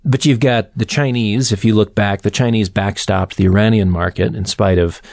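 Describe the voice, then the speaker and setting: A man answering interview questions as an energy market analyst, explaining in a measured way with some fillers. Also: on the low side, fairly even intonation, creaky, a little mellow, no echo, clean studio sound.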